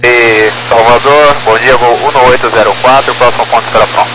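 Brazilian male pilot, medium pitch, clipped radio readbacks over very noisy walkie-talkie link. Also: fairly even intonation, a little fast. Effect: over walkie-talkie style aviation radio. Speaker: airline pilot. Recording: very noisy cockpit radio with hum.

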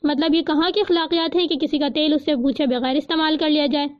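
A woman's voice: sits high, fairly even intonation, muffled recording, natural voice. A woman voicing an indignant young woman student.

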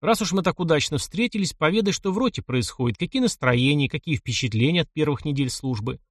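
A man's voice: on the high side, animated, quick pace, no room sound, clean studio sound. A man voicing a sly, probing middle-aged army major who speaks with a mildly mocking edge.

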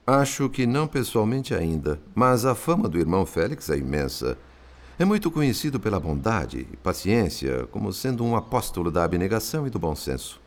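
Um ator interpretando um espírito médico compassivo que narra suas memórias em radionovela, de modo solene e expressivo. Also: male voice, lowish voice, very animated, normal speed. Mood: courteous, admiring. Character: compassionate male spirit physician narrating his memories. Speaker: narrator and character. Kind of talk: dramatic radio drama narration.

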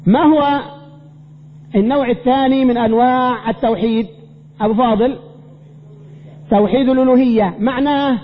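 High-voiced sheikh quizzing students. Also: male voice, moderate pace, long pauses. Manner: quizzes students, repeats questions insistently; emphatic preaching with repeated phrases. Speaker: sheikh teaching a creed class. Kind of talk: classroom religious lesson. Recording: reverberant hall, dull lo-fi, faint hum.

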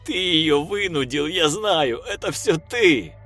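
A young man driven to desperation and grief, as a male narrator plays him. His voice rides higher than the narrator's own, husky and urgent, with wide swings in pitch. Soft music plays beneath. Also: expressive, measured pace. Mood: anguished. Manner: urgent, pleading, shouting.

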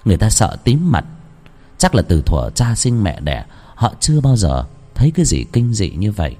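A man narrating a horror story in a slow, dramatic scripted style. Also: breathy edge. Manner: slow, dramatic, lively pitch. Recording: long hall reverb, faint music.

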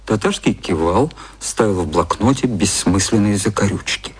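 An actor narrating a satirical radio play as a composed, dry storyteller reading literary prose. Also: male voice, lowish voice, expressive, normal speed, breathy edge. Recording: music under the narration.

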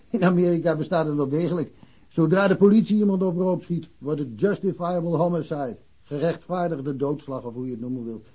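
A man's voice: a little high, brisk, slightly rough, lo-fi sound. A man playing a blunt, jovial provincial policeman with a wry manner in a naturalistic radio drama.

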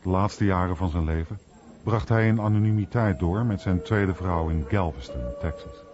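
A man's voice: low voice, moderate pace. A man delivering scripted narration as the narrator of a radio documentary. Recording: dull muffled radio recording.

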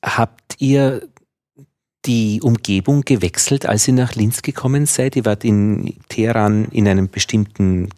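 A man's voice: lowish voice, measured pace, dark tone, dry recording. A man interviewing a guest in conversation, asking probing questions and finishing her thoughts.

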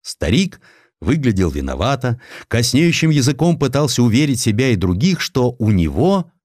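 A man narrating a historical audiobook dramatically and theatrically, with deliberate pauses. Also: medium pitch, sing-song, darkish tone, no echo, clean studio sound.

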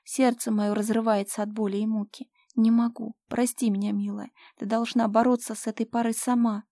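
A woman's voice: fairly high pitch, little pitch movement, fairly quick, warm tone, no room sound, studio quality. A woman voicing a young mother, indignant at first, then weak and whispering tenderly.

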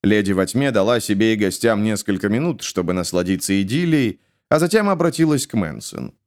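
A man's voice: lowish voice, expressive, fairly quick, a little mellow. A man narrating a fantasy story as an audiobook.

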